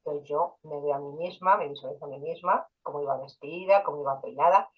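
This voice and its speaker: A husky, low-pitched woman talks fast in dull-sounding audio. She is a hypnotherapist and interview guest who casually tells personal stories, quoting dialogue and using fillers.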